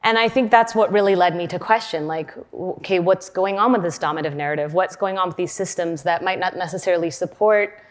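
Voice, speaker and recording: A woman in her forties, raised in Western Canada, speaks on a conference stage in a loose, chatty keynote style. Her voice sits fairly low and swings widely in pitch, with fillers and easy laughs. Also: a little fast, hardly any pauses. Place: large conference hall.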